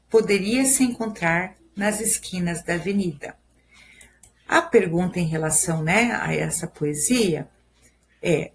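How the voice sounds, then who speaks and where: A woman teacher with a Brazilian Portuguese accent gives a recorded school lesson. She explains step by step, reads verse slowly and counts syllables aloud. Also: medium pitch, slight background noise.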